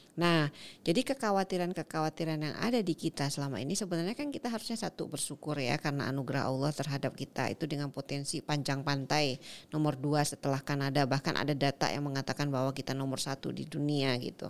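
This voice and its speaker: A woman with a very deep, low pitch rushes along at a very fast pace, with hardly any pauses and ordinary pitch variation. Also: very clean recording, silent background. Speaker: university professor and fisheries economist. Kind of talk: interview.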